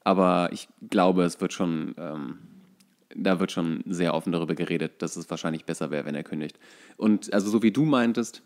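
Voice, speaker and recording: A man's voice: deep voice, normal speed. A man in his thirties co-hosting a podcast in casual sports chat, hesitant and thinking aloud as he goes. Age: 30s. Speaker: podcast co-host.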